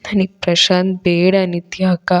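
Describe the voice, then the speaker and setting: A woman's voice: mid-range voice, steady tone, a little slow, darkish tone, natural voice. A woman playing an earnest, pleading young girl.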